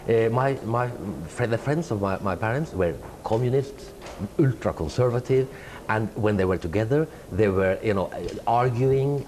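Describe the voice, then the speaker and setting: This lowish-voiced middle-aged man from Norway, a writer with a Norwegian accent, answers interview questions thoughtfully yet hesitantly, restarting often, using many fillers and gesturing animatedly. A little hiss or hum runs under the recording, made indoors against a tapestry wall.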